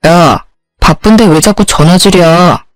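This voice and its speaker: A woman's voice: on the low side, unhurried, soft background music, natural voice, poor audio. A woman voicing a rude, irritable husband who brushes his wife off, in a story narration. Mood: irritated. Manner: curt, brushing off.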